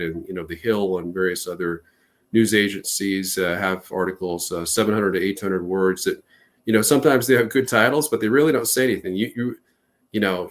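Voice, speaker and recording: A lower-voiced American man in his fifties talks through his answers as an interview guest. He leans hard on fillers like "uh" and "um" and often backs up mid-sentence to rephrase. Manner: hesitant, many uh and um fillers, restarts. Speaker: national security strategist guest. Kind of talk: interview answers, recounting career.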